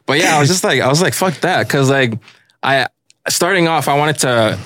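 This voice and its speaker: A man's voice: on the high side, moderate pace, no echo, studio quality. A man from Ghana, a guest on a podcast, talking casually and loosely, with lots of fillers like "like" and "you know". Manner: relaxed, rambling, many fillers like "like" and "you know". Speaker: podcast guest, fashion brand founder. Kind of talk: casual interview chat.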